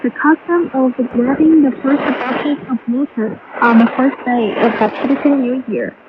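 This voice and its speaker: High-voiced woman on noisy shortwave radio. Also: normal speed. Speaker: radio presenter. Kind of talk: scripted radio feature narration. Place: radio broadcast heard over shortwave receiver. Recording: muffled shortwave radio, heavy static and noise.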